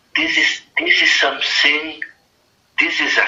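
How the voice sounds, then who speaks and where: A man speaks with a Brazilian accent. His pace is very slow. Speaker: former journalist, meditation center leader. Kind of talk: interview.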